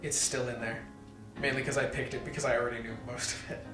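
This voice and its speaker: A man's voice: medium pitch, little pitch movement, fast, echoey room, music in the background. A young man, a college student and podcast guest, telling self-deprecating stories in casual chat. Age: young adult.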